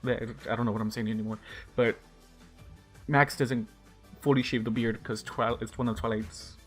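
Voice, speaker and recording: A man's voice: mid-range voice, steady tone, moderate pace, slightly rough, soft background music. A man reading fan fiction aloud with casual asides, informal and sometimes stumbling over his words. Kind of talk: story narration with casual asides.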